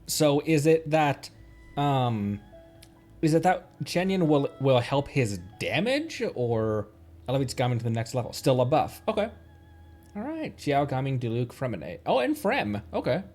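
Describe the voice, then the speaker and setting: Male game streamer, mid-pitched, casual rambling commentary, thinks out loud, background music. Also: very animated, moderate pace. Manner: thinking aloud, often questioning himself. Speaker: game livestreamer. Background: video game music.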